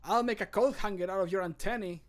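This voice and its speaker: A man's voice: high voice, fast, close to an everyday voice. A man voicing an irritated, disgusted fantasy game character who hurls insults in a scornful, exclaiming way. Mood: scornful threatening. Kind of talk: video game mod voice acting.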